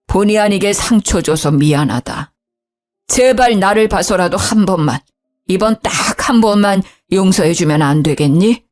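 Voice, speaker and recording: A woman's voice: darkish tone, natural voice. Woman doing a stern old father-in-law. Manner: booming scolding, then low humble pleading. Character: elderly father-in-law, stern yet pleading.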